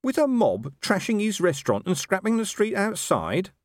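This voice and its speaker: A man voicing a gruff, weary, sardonic city watch commander in a story, demanding and sceptical. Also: sits high, wildly swooping pitch, normal speed, no room sound, clean studio sound, voice pushed up.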